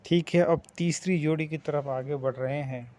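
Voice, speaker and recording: A man's voice: on the high side, steady tone, a little mellow. A man with an Urdu-speaking South Asian accent teaching a language lesson, patiently repeating and stretching out vowel sounds as he explains them. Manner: patient, drawn-out vowel demonstrations. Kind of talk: slow spoken language lesson.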